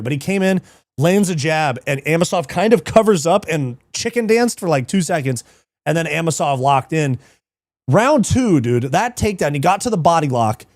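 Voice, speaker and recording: A fairly high-voiced man rattles off fight results with crude, excitable energy. He swears freely, laughs, and reacts to his chat. The sound is close and dry, with no room around it. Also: dry recording. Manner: profane, excitable, reads live chat, laughs often. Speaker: livestream MMA show host. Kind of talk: casual livestream commentary.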